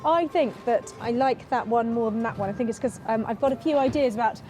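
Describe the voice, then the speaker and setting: Bubbly high-voiced woman presenter. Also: fairly quick, over music. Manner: bubbly and enthusiastic. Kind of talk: casual on-location chat. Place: outdoors at a recycling centre.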